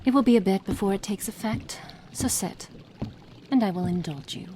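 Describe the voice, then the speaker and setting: A woman voicing a cold, impatient female witch experimenter in an ASMR roleplay, speaking softly and partly in whispers, haughty and condescending. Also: medium pitch, moderate pace, slight background noise, lightly acted. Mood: commanding. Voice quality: soft, partly whispered delivery.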